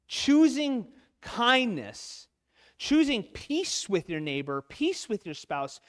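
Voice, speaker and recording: A man giving an earnest, emotional sermon to other men in a church, his voice catching as he speaks. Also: very high voice. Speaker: lay preacher at a men's church talk. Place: church sanctuary.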